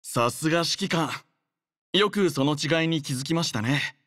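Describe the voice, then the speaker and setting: A man voicing a courteous, earnest young android soldier in an anime game, speaking in a polite, formal, measured manner. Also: a little high, a bit bright, dry recording, studio quality, natural voice. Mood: considerate, composed. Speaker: game character voice. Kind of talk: scripted anime game voice lines.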